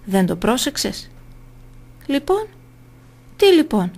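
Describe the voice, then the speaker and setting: A woman's voice: high voice, very animated, darkish tone, pitched above the performer's own voice, full character voice. A woman voicing an eager, fawning male blacksmith who explains his invention to a ruler. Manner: ingratiating, explaining keenly.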